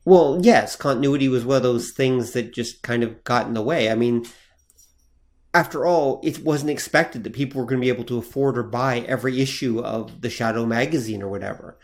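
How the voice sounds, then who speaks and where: A man's voice: medium pitch, a little fast. Man explaining things on a podcast. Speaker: podcast co-host. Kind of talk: casual chat.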